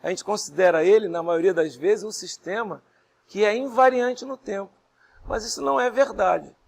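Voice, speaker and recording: Still hoarse from an illness, this male lecturer has a high, gravelly voice that sounds strained. In his classroom lecture he speaks softly and not fast, stopping to breathe as he works through ideas step by step and asks students rhetorical questions.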